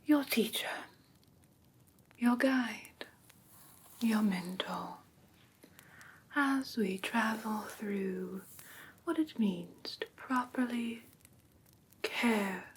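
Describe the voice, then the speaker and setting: In a heavily acted ASMR roleplay, a woman plays a strict, prim vampire teacher instructing a class on human pet care. She whispers softly and breathily at a slightly high pitch, sounding formal and instructive, precise, deliberate, and theatrically stern.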